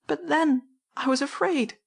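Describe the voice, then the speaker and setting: A woman's voice: sits high, unhurried, creaky, voice pushed up, full character voice. A woman reading an audiobook, voicing a distraught, loyal housekeeper who pleads tearfully. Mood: earnest.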